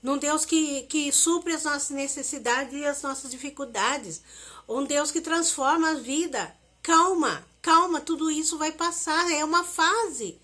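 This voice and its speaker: A woman's voice: high-pitched, normal speed, a bit bright. A woman putting on a pleading devout friend. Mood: urgent pleading. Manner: pleading, insistent, repeats herself. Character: adult woman friend, urgently calming, devout.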